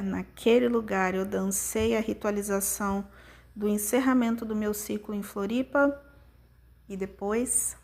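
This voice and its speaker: A Brazilian woman hosting a podcast, telling a personal story in an intimate, reflective way with many pauses. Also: medium pitch, gravelly, darkish tone. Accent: Brazilian Portuguese. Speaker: podcast host.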